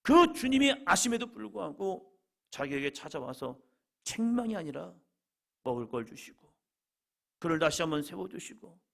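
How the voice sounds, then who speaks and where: A male pastor delivers an impassioned sermon, his voice high for a man and full of gravelly texture. His pitch swings widely, climbing into loud declarations and sinking into hushed, gentle passages. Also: big pitch swings, normal speed, pauses often. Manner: impassioned preaching, swelling louder, voicing Jesus softly.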